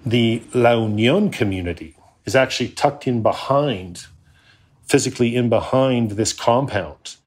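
A man's voice: medium pitch, animated, a little slow. A man in an interview, describing and explaining in a conversational way.

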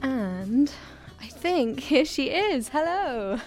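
Conversational woman interviewer over soft music. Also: high voice, very animated, slow. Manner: conversational, describing surroundings while walking. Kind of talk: presenter walk-in and interview questions.

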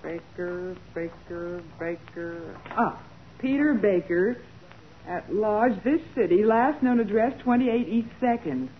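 An actress playing a loyal, inquisitive detective's assistant in a 1940s radio drama, with an eager, questioning manner. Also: female voice, mid-range voice, takes it slowly, lightly acted. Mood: helpful. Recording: noisy, narrow-band old radio recording.

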